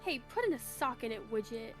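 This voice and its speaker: A woman's voice: a little high, very animated, a little fast, music in the background. A woman voicing a perky young female rookie lawyer, feisty and easily flustered, in a video game. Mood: indignant, feisty.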